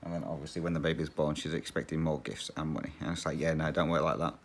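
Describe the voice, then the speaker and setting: A man's voice: a bass voice, steady tone, quick pace, slight background noise. A man hosting a cross-stitch channel, chatting casually and rambling while he stitches, often laughing.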